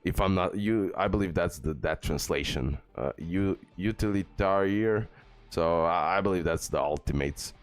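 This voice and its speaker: Male gaming video host, low voice, casual and informal guide-style commentary, music underneath. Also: moderate pace. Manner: informal, often says bro and okay.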